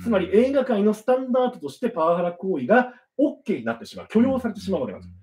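A man talks very fast in a high pitch with lively intonation. His loudness swings widely. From Kyushu, Japan; Japan. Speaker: actor; guest actor. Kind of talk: live-stream interview. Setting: live stream. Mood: indignant about industry harassment. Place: studio.

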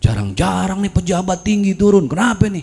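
A man speaks at a moderate pace in an animated tone, with a Jakarta accent. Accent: Betawi Jakarta Indonesian. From Jakarta, Betawi. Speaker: Islamic preacher. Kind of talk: sermon. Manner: animated storytelling. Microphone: handheld.

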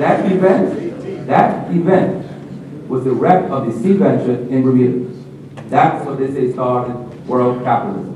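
A man talks at a moderate pace with ordinary pitch variation, while audible room echo and noticeable background noise surround him. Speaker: panelist. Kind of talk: panel remarks. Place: hall.

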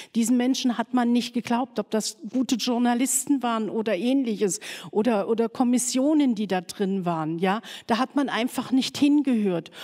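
A woman speaks with a high pitch, ordinary pitch variation and a dark, mellow tone over a quiet background. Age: 50s. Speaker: politician. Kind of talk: panel debate. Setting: lecture hall with audience. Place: hall. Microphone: handheld.

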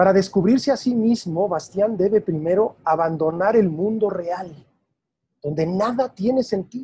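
This man has a high-pitched voice and ordinary pitch variation. He speaks at a fairly slow pace. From Mexico. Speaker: actor and storyteller. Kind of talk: book launch presentation talk.

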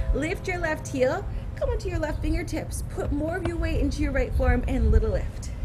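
A woman talks at a moderate pace against noticeable background noise. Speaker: fitness instructor. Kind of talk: guided exercise class, cueing movements. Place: garden.

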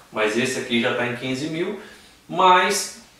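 A man's voice with ordinary pitch variation, heard through strong room echo. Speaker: airgun seller. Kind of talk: product presentation. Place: home room.

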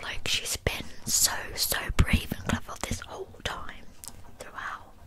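Whispering from a woman at a fairly slow pace. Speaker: true crime storyteller. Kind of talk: casual true crime narration with commentary. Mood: engaged, admiring, informal. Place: home room. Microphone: studio mic.

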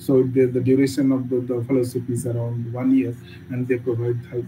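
Audible room echo surrounds a man speaking at medium pitch in a dark, mellow, somewhat breathy tone. His intonation is monotone and flat. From India, Odisha. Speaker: disaster risk reduction expert. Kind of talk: webinar lecture. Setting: online webinar. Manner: fast; halting, many fillers.

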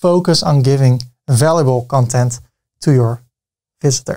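A man with a Dutch accent, fairly high pitch, ordinary pitch variation and a fairly slow pace. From Netherlands. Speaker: YouTube tutorial creator. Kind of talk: tutorial.

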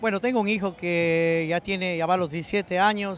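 A man's high-pitched voice at a fairly slow pace, fairly even intonation, dry sound with no echo and light background noise. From Ecuador, Cuenca. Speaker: singer. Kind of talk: interview. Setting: outdoors. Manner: halting. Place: street. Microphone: handheld.

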